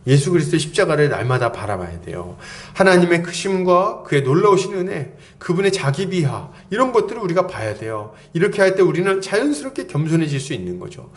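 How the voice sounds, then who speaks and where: A man's voice: fairly high pitch, very animated, fairly quick, few pauses. A middle-aged man preaching an expository sermon as pastor, conversational and playful, with acted-out quotes and asides.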